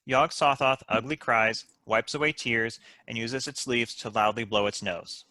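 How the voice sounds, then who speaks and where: A man's voice: medium pitch, fairly even intonation, unhurried, sharp tone, dry recording. A man giving scripted narration, reading out screenplay stage directions at a table read.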